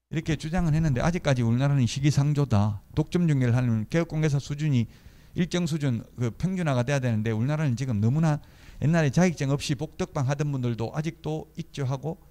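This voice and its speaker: A middle-aged man with a mellow, slightly high voice lectures a class on real estate brokerage law in a conversational way. He poses questions to the students, answers them himself, and shares stories from his own career as a broker.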